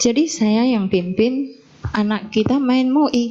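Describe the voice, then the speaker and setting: Somewhat breathy, with a dark, mellow tone, the voice moves at a very slow pace. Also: woman. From Batam, Indonesia. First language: Mandarin (speaking Indonesian). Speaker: Buddhist nun giving a dharma talk. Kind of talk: dharma talk with Q&A. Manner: conversational.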